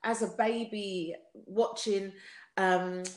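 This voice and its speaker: Guest, woman, 40s, lively and chatty, mid pitch, recorded in a reverberant room. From United Kingdom. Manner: animated and chatty, quick laughs, many restarts. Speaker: guest singer. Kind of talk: casual interview chat. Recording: echoey room.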